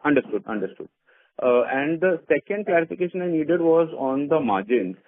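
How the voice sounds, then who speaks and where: Polite analyst on a dry phone line. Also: male voice, fairly high pitch, lively intonation, moderate pace, dry recording. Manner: polite, probing, tentative. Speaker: analyst asking questions. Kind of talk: earnings call question.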